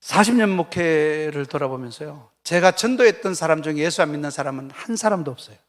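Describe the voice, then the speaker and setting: A man's voice: a little high, lively intonation, fast. An older man preaching a revival sermon as a pastor, telling stories with acted quotes and questions put to the congregation. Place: church sanctuary.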